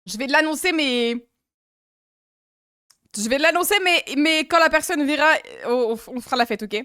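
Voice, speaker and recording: A woman's voice: high voice, expressive, slow pace, pauses often, pushed and bright, no echo, clean studio sound. A young woman from France streaming live, chatting casually and giggling as she reacts to her viewers.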